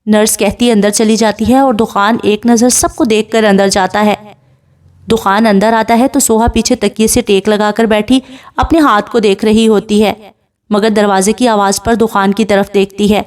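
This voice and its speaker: A woman narrating a romance novel in a steady storytelling voice. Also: mid-range voice.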